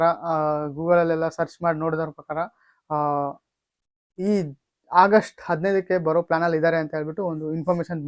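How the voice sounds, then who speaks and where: A man hosting a casual news update video, speaking haltingly with drawn-out hesitations and repeated stock phrases. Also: on the high side, no room sound. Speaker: YouTube channel host. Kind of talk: casual film and gaming news update to camera or mic.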